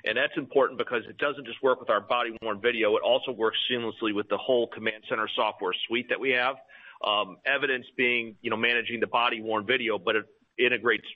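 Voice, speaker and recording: A man speaking as a company executive, explaining things to analysts on an earnings call in halting phrases. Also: mid-range voice, fairly even intonation. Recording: thin phone-line conference audio.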